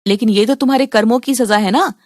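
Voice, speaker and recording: A cheerful, earnest young wife, voiced by a woman in a Hindi-style animated story. Her voice sits high and bright. The sound is dry and close. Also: quick pace, dry recording, natural voice. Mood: angry.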